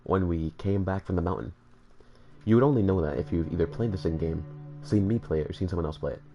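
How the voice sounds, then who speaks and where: A man's voice: deep voice, quick pace, creaky, dark tone, highs cut off, faint music behind. A man with a slightly congested voice, joking and rambling to his viewers as he plays through a game. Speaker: gaming channel host. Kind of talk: casual let's-play commentary.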